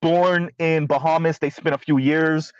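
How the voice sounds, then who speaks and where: A man's voice: fairly high pitch, level tone, unhurried, clean tone, no echo, muffled recording. A man hosting a casual panel chat, cracking jokes and laughing at them. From South Florida. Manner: joking, laughs at his own jokes. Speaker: podcast host.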